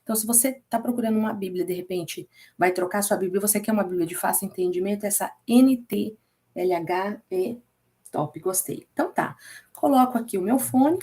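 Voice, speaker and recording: A woman's voice: medium pitch, fairly quick, warm tone. A woman with a Brazilian Portuguese accent teaching a casual Bible study class, chatty and often checking in with her students.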